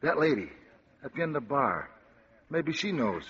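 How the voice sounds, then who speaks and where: An actor playing a huge, slow-witted ex-convict who speaks in gruff, ungrammatical tough-guy talk. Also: medium pitch, very animated, fairly bright tone, exaggerated voice. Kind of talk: 1940s radio acting. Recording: dull old radio recording.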